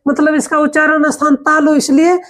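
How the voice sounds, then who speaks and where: A woman teaching a grammar lesson, explaining with rhetorical questions and homely examples, then reciting letters slowly and carefully. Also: sits high, little pitch movement.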